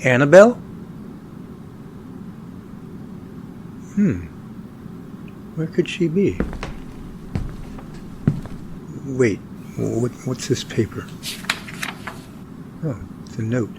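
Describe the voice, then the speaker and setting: A man's voice: medium pitch, very animated, takes it slowly, pauses often, noisy background. A man playing an earnest, anxious twenty-seven-year-old survey worker in an amateur radio drama. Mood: puzzled.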